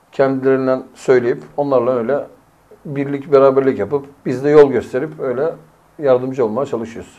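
A man speaks in a monotone with flat intonation. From Turkey, Kartepe, Kocaeli; Turkey. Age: 40s. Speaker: village headman and association president; talk show guest. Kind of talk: interview. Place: studio. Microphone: lapel.

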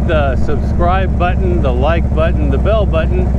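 A man speaks over loud background noise. The sound itself is dry, with no echo. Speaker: motorcycle vlogger. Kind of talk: casual vlog chat. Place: motorbike.

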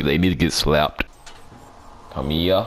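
At a moderate pace, a man with a very deep, low pitch talks over noticeable background noise. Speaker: gaming youtuber. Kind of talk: casual gameplay commentary. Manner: animated, joking.

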